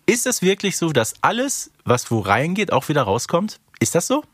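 Animated man chatting on a podcast. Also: a little high, moderate pace, no echo, clean studio sound. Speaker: podcast co-host. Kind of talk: casual chat, humorous episode commentary.

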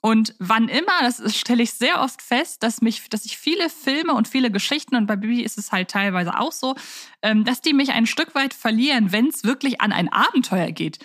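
A woman's voice: a little high, animated, normal speed, fairly bright tone, dry recording, clean studio sound. A woman co-hosting a podcast in a chatty, wordy way, repeating words for emphasis. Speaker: podcast co-host. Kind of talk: chatty fan podcast moderation.

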